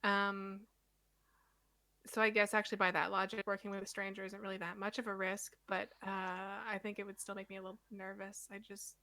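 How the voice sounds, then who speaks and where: A woman voicing a shy, awkward female toy maker in a tabletop role-play, talking softly with many pauses and fillers. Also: mid-range voice, little pitch movement. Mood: nervous. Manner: halting, soft, full of pauses and fillers.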